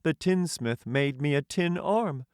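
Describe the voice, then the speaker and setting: A man's voice: on the high side, animated, unhurried, darkish tone, clear, resonant tone, dry recording, studio quality, pitched above the performer's own voice. A man voicing a proud, courtly tin man emperor who tells stories in formal, grand storybook language, cheerfully pleased with himself. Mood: earnest, cheerful. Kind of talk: audiobook character voice.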